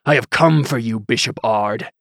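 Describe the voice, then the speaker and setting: A man's voice: mid-range voice, moderate pace, a bit bright, no echo, clean studio sound, lightly acted. A man voicing a grim, righteous holy knight who speaks in a stern, menacing, controlled way. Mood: stern menace.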